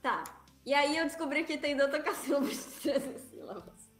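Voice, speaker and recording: A woman's voice: high-pitched, normal speed, echoey room, soft background music. A woman writer talking in a casual panel chat, eagerly explaining things and laughing as she talks. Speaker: guest writer.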